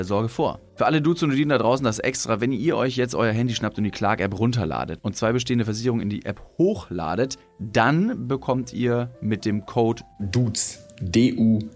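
A young man co-hosting a podcast, chatting loosely and reading an ad in a slangy, laid-back way. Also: medium pitch. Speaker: podcast co-host. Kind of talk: casual podcast chat and host-read ad.

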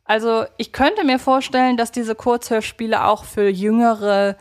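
A woman's voice: a little high, fairly even intonation, unhurried. A woman co-hosting a casual fan podcast, chatty and thinking aloud as she rephrases her points. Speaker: podcast co-host.

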